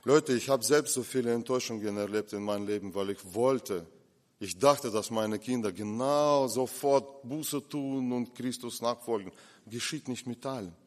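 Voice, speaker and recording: Preaching man in an echoing hall. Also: medium pitch. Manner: impassioned, swings between loud and hushed. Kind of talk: sermon. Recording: long reverb of a hall.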